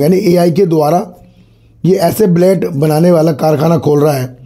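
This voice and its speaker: A hoarse man with a cold hosting his own stock market channel, chatting casually to viewers, addressing them as sir and repeating his phrases. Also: on the high side, dark tone. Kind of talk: casual market commentary to camera.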